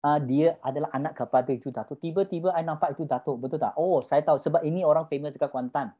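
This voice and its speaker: A woman's voice: sits low, quick pace, dark tone, dull audio. A woman giving an emphatic motivational talk as a business mentor, firing rhetorical questions at her listeners and switching freely between languages.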